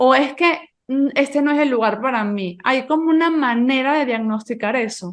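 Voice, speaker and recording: Hardly pausing at all, the speaker moves at a moderate pace and varies pitch in an ordinary way. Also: woman, high pitch for a woman. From Venezuela. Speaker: podcast host, author. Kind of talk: podcast interview.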